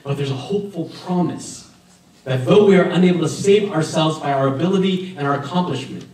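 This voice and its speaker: A man in his thirties preaching a sermon in a church, talking in a lively, conversational way while gesturing at a lectern. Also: a little high, a little fast. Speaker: pastor. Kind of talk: sermon with personal story. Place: church sanctuary with stained glass, indoors. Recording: very echoey room from far off.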